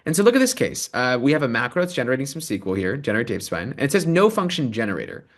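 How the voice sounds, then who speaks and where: A man leading a live software demo and then interviewing a guest over a video call, talking with eager energy and many ums. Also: mid-range voice, very fast. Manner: animated, enthusiastic, many ums and rights. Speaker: product manager giving a demo and host.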